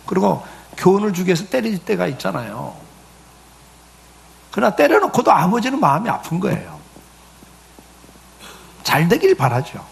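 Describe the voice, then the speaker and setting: Gravelly-voiced male pastor preaching. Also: high-pitched, very animated, normal speed, pauses often. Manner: conversational preaching with acted quotes and rhetorical questions. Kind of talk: sermon.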